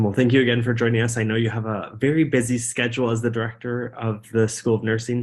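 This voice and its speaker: A man hosting a university webinar, upbeat and welcoming as he introduces the panel. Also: medium pitch. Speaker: webinar host. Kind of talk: event introduction.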